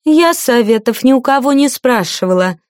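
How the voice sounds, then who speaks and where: A woman's voice: high-pitched, expressive, moderate pace, darkish tone, no room sound, clean studio sound, pitched above the performer's own voice. A woman reading an audiobook, voicing a spiteful, haughty noblewoman who hisses and snaps at her servant. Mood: furious. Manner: hissing, snapping, haughty. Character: spiteful, shrill noblewoman, domineering mistress of a page.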